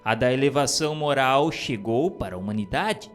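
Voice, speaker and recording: A man reading a script of spiritual messages in a solemn, measured, preacherly manner. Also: medium pitch, expressive. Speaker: narrator. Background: music.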